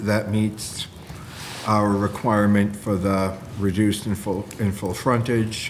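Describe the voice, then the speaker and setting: A man speaks at a fairly low pitch and a fairly slow pace, his intonation monotone and flat. Noticeable background noise and audible room echo are present. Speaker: planning board chair. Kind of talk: public meeting. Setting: town hall meeting, also on Zoom. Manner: slightly slurred speech.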